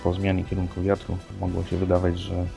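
A man co-hosting an unscripted podcast discussion, speaking haltingly as he searches for words. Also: deep voice, completely flat delivery, vocal fry. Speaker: podcast co-host. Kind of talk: unscripted paranormal news discussion. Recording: music playing under the voice. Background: music.

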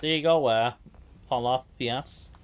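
A man's voice: medium pitch, measured pace, clean tone. A man live-streaming casual gameplay commentary in a chatty way, often repeating himself.

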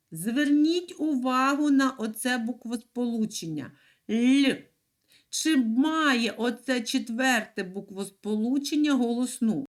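Lively woman teaching young children. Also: on the high side. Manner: lively, sing-song teaching voice with drawn-out stressed syllables. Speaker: primary school teacher. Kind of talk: recorded lesson for children.

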